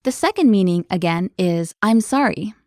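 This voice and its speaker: A woman hosting a language lesson, explaining words clearly in an upbeat, scripted way. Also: mid-range voice, animated, moderate pace, a little mellow, dry recording, clean studio sound.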